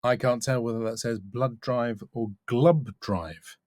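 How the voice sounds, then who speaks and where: A voice-over coach reviews demo reels, offering a relaxed, thoughtful spoken critique and putting stress on key words. He speaks at medium pitch, a little slowly, with a darkish tone and no echo.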